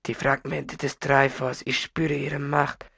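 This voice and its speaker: A man with a slight cold voicing an imperious, power-hungry villain warlord, reading game dialogue aloud in a slow, commanding manner. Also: medium pitch, little pitch movement, gravelly, sharp tone, husky, no echo, exaggerated voice. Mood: solemn, gloating. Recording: game music behind.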